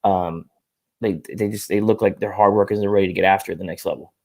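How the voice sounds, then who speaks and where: Lowish-voiced man, hesitant casual analysis. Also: steady tone, fast, a little mellow. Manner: casual, hesitant with many ums.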